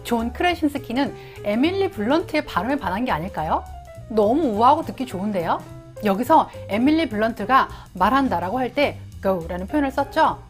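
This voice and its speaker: Woman youtuber, kinda high voice, bouncy, explaining english words, soft music behind. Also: expressive, fairly quick. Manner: friendly, explains English usage in Korean. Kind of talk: casual explanatory vlog.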